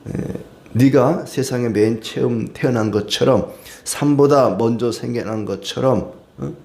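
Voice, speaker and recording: A man's voice: medium pitch, measured pace, gravelly, darkish tone. A man voicing a stern elderly man who scolds a younger friend with pointed rhetorical questions. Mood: scolding. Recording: roomy echo.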